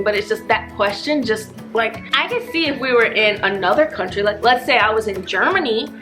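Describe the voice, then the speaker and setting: A woman vlogger who is a native English speaker, telling stories casually in an animated, slangy way and acting out dialogue. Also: medium pitch. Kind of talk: casual chat to camera, storytelling.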